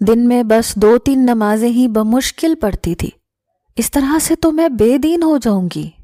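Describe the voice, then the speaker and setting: A woman's voice: fairly high pitch, dark tone, dry recording, clean studio sound. A woman narrating an emotional first-person story in an earnest reading style.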